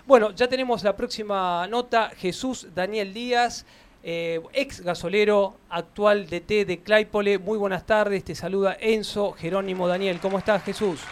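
A man's voice: high-pitched, fairly even intonation, normal speed, clean tone. A man with a Rioplatense accent hosting a radio sports show, interviewing a guest with a hesitant delivery. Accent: Rioplatense Spanish.

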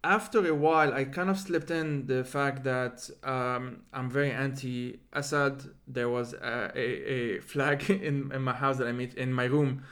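A man from Lebanon, hosting a podcast interview, reflects out loud in a discursive way full of asides, with rolled R's. His mid-range voice is a bit bright and steady, unhurried yet with few pauses.

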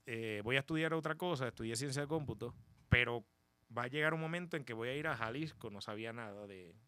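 A young man, a podcast guest telling his story in a relaxed way, with many fillers and repeats. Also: mid-range voice, fast, dry recording. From Dominican Republic. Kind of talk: casual storytelling chat.

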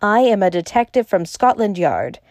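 Lady doing a stiff proper detective guy, mellow dark tone. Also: mid-range voice, sing-song, moderate pace, no room sound, studio quality, lightly acted. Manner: stiff, formal. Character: stiff formal male detective.

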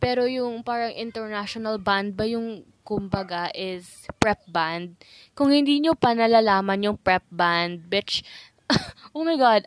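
A woman's voice: medium pitch, a bit bright, smooth, no room sound. A teenage girl from the Visayas with a Filipino accent, whose first language is Bisaya, chatting casually and rambling with giggles on her own podcast. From Visayas, Philippines. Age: mid-teens. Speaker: podcast host. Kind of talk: casual solo podcast chat.

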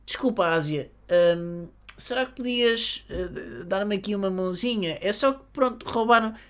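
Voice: mid-range voice, moderate pace, fairly bright tone, voice pushed up, natural voice. A comedian voicing a timid, bullied schoolkid who hesitantly pleads for help. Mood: timid pleading.

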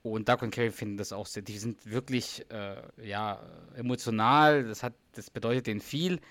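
A man co-hosting a podcast, casually retelling a sitcom episode in detail. He has lost some of his voice and sounds a little hoarse. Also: fairly low pitch, steady tone, normal speed, fairly bright tone, dry recording. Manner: retells scenes in detail, with many fillers and restarts. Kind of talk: casual chat.

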